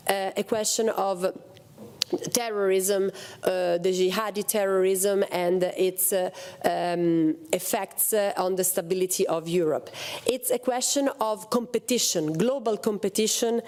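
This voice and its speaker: Woman on a policy panel, lots of uhs and restarts, mid pitch. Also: darkish tone. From Italy. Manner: hesitant, many fillers and restarts. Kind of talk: panel talk on security policy.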